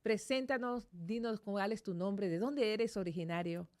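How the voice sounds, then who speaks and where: A woman's voice: mid-range voice, a little slow. Effusive woman hosting Christian radio. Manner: effusive, repeating blessings and exclamations. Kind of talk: radio interview. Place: radio studio.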